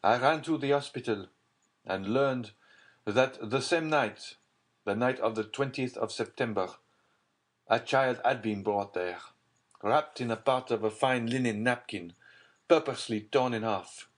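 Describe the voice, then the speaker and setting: A man's voice: mid-range voice, unhurried, natural voice. A man voicing a grim, despairing prosecutor in an audiobook, speaking in a grave, urgent, confiding way. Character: grim, despairing male prosecutor, middle-aged, secretive. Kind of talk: audiobook character voice.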